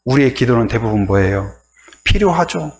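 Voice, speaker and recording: Lively male pastor preaching with animated pitch. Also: moderate pace, slight background noise. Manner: lively storytelling, asks the congregation questions. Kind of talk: sermon. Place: church sanctuary.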